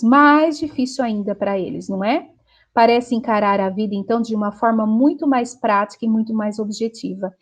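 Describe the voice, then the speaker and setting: A woman's voice: on the high side, a little mellow. A middle-aged woman teacher with a Brazilian accent, giving a chatty lecture full of little fillers. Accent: Brazilian Portuguese. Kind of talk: lecture on autism.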